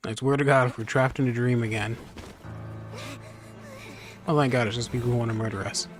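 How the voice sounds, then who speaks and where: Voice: medium pitch, fairly even intonation, fairly quick, music in the background. A streamer giving casual, joking commentary on a video game in a sarcastic, irreverent way.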